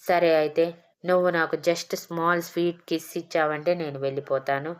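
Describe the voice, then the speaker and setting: A woman's voice: deep voice, little pitch movement, moderate pace, clear, resonant tone, natural voice. A woman voicing a bold young husband who teases and mocks his shy wife, in a storybook reading. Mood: teasing.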